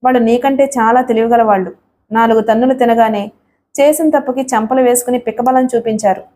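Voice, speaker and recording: A woman's voice: on the high side, steady tone, brisk, mellow, slight background noise, close to an everyday voice. A woman voicing a brave, righteous young male hero in an audio story, speaking in a firm, scolding way. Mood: stern.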